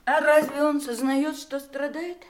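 Defiant, sarcastic woman, high roomy voice. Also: little pitch movement, unhurried. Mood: mocking challenge. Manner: sarcastic, challenging. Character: sharp-tongued, defiant mistress, sarcastic and mistrustful. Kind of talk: theatrical Russian audio drama acting.

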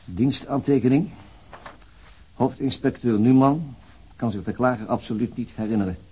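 Police bureaucrat reading a report, flat official wording, dark raspy voice, radio drama. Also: male voice, medium pitch, moderate pace, low-quality recording. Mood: impassive, official.

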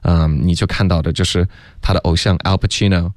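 A man teaching English on a radio lesson, explaining pronunciation slowly and laughing often. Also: deep voice, steady tone, darkish tone, no echo, studio quality.

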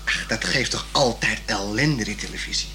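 A man playing a plain-spoken, stubborn but good-natured young working-class man in a radio play, talking haltingly and colloquially. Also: on the low side, bright, forceful tone, a little hiss or hum. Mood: stubborn, grumbling. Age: young adult. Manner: halting, colloquial, repeating himself.

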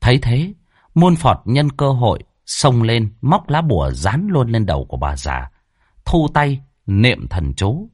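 A man narrating a ghost story in a lively, dramatic, colloquial way, with a husky voice. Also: medium pitch, a little slow, dry recording, studio quality.

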